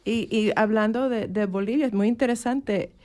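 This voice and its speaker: A woman's voice: a little high, moderate pace, warm tone. A woman hosting a live radio interview in Spanish from a studio booth, friendly and conversational. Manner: friendly, conversational, some restarts. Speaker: radio host. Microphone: studio microphone.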